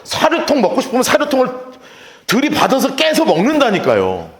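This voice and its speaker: A man preaches in a high-pitched, very animated voice that swings up and down as he tells stories with a laugh. He is a pastor giving a sermon. His voice rings out in a roomy church space. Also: brisk. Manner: lively storytelling, often laughing. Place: church sanctuary.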